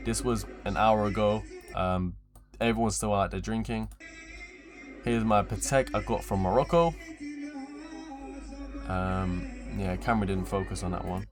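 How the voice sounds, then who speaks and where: A man's voice: fairly low pitch, unhurried, pauses often, over music. A twenty-year-old man chatting casually on a livestream in a rambling, slangy, repetitive way, with frequent swearing. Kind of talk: casual livestream chat to viewers.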